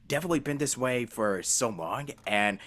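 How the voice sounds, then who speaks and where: Casual man with a lively, swinging pitch. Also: normal speed. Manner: rambling, self-interrupting, laughs easily. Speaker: voice actor and show host. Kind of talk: casual chat.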